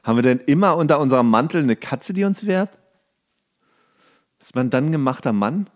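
Man, animated intonation, mid pitch, casual podcast banter, teasing exasperation. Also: moderate pace. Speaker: podcast co-host. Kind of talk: casual banter between friends.

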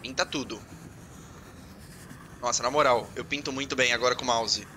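A man with a Brazilian Portuguese accent giving casual let's-play commentary, excitable and joking, swearing and talking to himself as he plays. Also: mid-range voice, moderate pace, a little hiss or hum. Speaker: gaming channel host.

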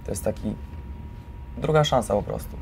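A man's voice: lowish voice, normal speed, vocal fry, heavy background noise. A young man giving informal, reflective testimony in an earnest way, often checking for agreement with short tag questions. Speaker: resident of a youth educational centre.

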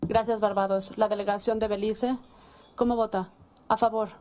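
A woman gives formal simultaneous interpretation in a mid-pitched voice. Her delivery is very even and neutral, with a businesslike manner suited to official procedure. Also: normal speed, slight background noise.

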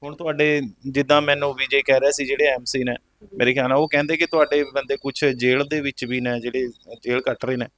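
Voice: mid-range voice, little pitch movement, fast talker, fairly bright tone. A reporter questioning a family in a field interview, prompting and consoling them. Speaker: news reporter.

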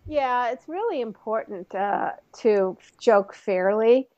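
A woman comedy coach and author, joking her way through an interview and slipping into quick comic voices. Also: fairly high pitch, lively intonation, darkish tone, dry recording, muffled recording. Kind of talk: animated interview guest.

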